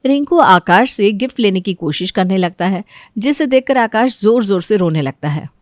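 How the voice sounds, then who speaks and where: A woman's voice: mid-range voice, expressive, normal speed, dry recording, studio quality. Woman telling a bedtime story. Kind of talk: children's bedtime story narration.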